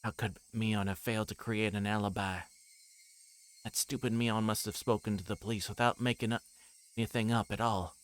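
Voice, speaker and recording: A man's voice: lowish voice, normal speed. A man streaming a visual novel, reading the story aloud live and sometimes stumbling over a line and correcting himself. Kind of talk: live read-aloud of a story game, with asides. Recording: steady noise behind the voice.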